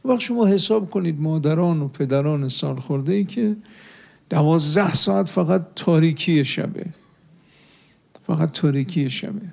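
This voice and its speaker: A man preaching a sermon to young people at a religious gathering, pleading with them and slowing down to recite sayings. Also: on the high side, lively intonation, gravelly, a little mellow. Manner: impassioned, pleading, slows down to recite Arabic sayings.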